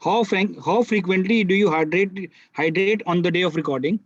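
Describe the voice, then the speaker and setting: A man's voice: high voice, moderate pace, no room sound. A man asking short interview questions, sometimes stumbling over his words. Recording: dull, dry lo-fi audio.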